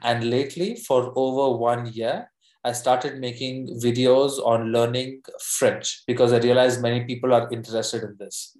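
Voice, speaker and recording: A young Indian man talks through his answers in a friendly, explanatory flow, often rushing ahead as he warms up. His voice sits at an ordinary middle pitch. The room rings with noticeable echo. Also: fairly even intonation. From South India. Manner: friendly, explains at length, speeds up. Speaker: interview guest. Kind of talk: conversational interview answers.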